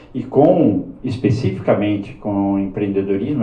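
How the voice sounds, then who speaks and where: This man has a medium pitch and speaks at a moderate pace with ordinary pitch variation. Audible room echo surrounds his voice. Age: 60s. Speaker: politician. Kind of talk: panel discussion. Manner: halting.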